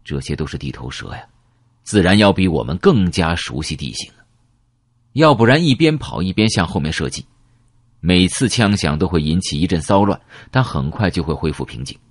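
A man's voice: low voice, animated, normal speed, husky, dry recording. A man reading a novel aloud in dramatic first person, telling the story vividly and expressively into a close mic. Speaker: audiobook narrator.

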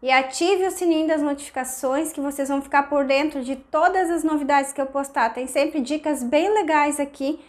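A woman in her thirties with a high, slightly hoarse voice, recovering from a cold. She talks casually and warmly to camera, gesturing as she explains, recorded on a lapel mic in a small indoor room. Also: moderate pace, few pauses. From southern Brazil. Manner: chatty, explains with hand gestures. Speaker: orchid-growing channel host. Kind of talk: casual tutorial talk to camera. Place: indoor room with tiled wall and orchids.

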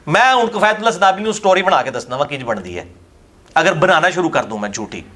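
A man with a high-pitched voice and a Pakistani Urdu accent gives a polemical question-and-answer lecture. He argues forcefully and scornfully, piling up points to knock down a rival's claims. He speaks as a scholar answering questions at an academy. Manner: emphatic, scornful, argumentative.

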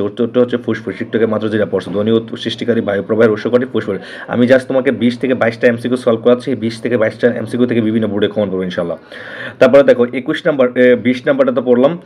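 A man with a Bangladeshi Bengali accent talks quickly through an exam-prep lesson. He speaks close to the mic, repeating each answer and urging students to remember it. His pitch is mid for a man. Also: a little mellow. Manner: repeats answers and stresses importance, addresses students directly.

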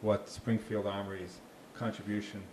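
A park ranger with a Boston accent speaks at a moderate pace in a lowish, slightly mellow voice with little pitch movement. He's giving an informal, chatty talk with audience questions on a handheld mic, restarting often and joking dryly, in a small dark meeting room with a slide screen. Sound is echoey with faint noise.

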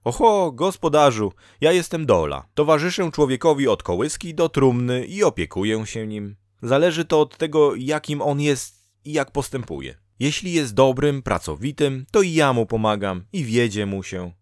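A man's voice: medium pitch, animated, moderate pace, hardly any pauses, no room sound, clean studio sound, pitched above the performer's own voice, close to an everyday voice. A man voicing Dola, a female spirit of fate who scolds a lazy farmer in a storybook reading, with lecturing, reproachful delivery. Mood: chatty.

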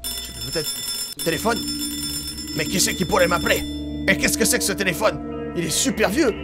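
A man giving chatty, excitable let's-play commentary and laughing often over game music. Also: high-pitched, brisk. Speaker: gaming youtuber. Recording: game music playing behind.

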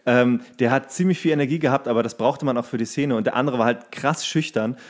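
A man's voice: mid-range voice, fast talker. A man co-hosting a podcast in casual, colloquial chat, telling anecdotes and re-enacting the dialogue as he goes. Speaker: podcast co-host and actor.

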